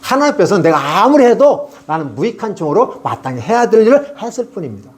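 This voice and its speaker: Male pastor, middle-aged, revival sermon, lively swinging pitch, rapid delivery, rhetorical questions. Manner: animated, rhetorical questions, acts out prayers.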